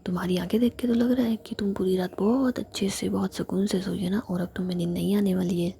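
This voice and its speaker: A woman's voice: medium pitch, fairly even intonation, fast talker, creaky, dark tone, a little hiss or hum, natural voice. A woman voicing a young woman who apologizes to and teases her upset friend, in a coaxing whisper. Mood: teasing.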